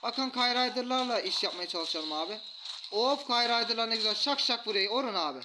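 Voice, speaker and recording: High-voiced man trash-talking a game. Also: fairly quick. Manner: taunting, trash-talks enemies, rough slang. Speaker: gaming YouTuber. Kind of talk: mobile game commentary. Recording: loud background noise.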